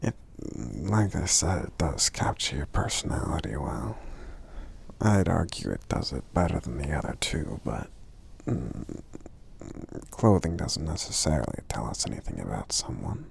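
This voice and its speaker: A man playing a friendly, gentle giant in an ASMR roleplay, speaking softly and hesitantly in a breathy, gravelly voice that often nears a whisper, with murmured hums between phrases. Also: a bass voice, big pitch swings, measured pace, slight background noise, full character voice. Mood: kind, curious.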